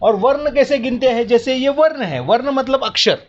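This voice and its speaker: A man's voice: extremely high pitch, expressive, moderate pace. A man teaching a lesson at a board, explaining patiently step by step and counting aloud as he goes. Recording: muffled lo-fi audio.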